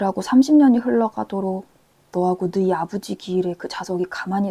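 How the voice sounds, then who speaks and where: Fairly slow in pace, the speech carries a dark, mellow tone. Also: woman, dry, close sound with no echo. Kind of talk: audiobook reading.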